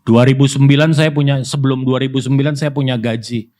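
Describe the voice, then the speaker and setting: A man pastor preaches a sermon. He keeps it lively and conversational, often calling out to the congregation. His voice sits at an ordinary middle pitch. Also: a little fast. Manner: lively, conversational preaching with audience call-outs.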